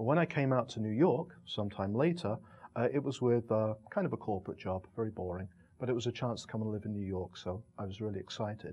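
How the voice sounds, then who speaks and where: A man with an English accent talks at a fairly quick pace in a fairly low pitch with ordinary pitch variation. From England, outskirts of London. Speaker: editor of a local news site, journalist. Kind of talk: talk to students. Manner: conversational.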